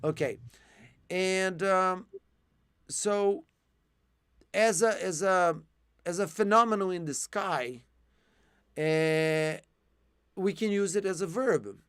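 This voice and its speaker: This is a live one-to-one English lesson online, where a man teaches vocabulary slowly and patiently over video, filling his speech with ums and frequent restarts. The voice is somewhat high, a bit bright and clean, dry and close-miked without echo, and it is beginning to give out.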